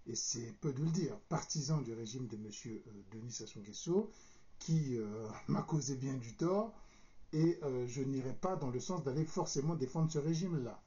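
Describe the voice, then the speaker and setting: A man from the Republic of the Congo with a Congolese accent, giving a formal, deliberate political commentary with hesitant pauses as he searches for words. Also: mid-range voice, animated, dark tone. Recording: dull, lo-fi sound.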